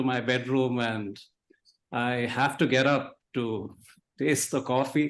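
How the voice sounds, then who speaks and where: A man at a fairly slow pace. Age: 60s. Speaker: toastmasters club member. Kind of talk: impromptu speech.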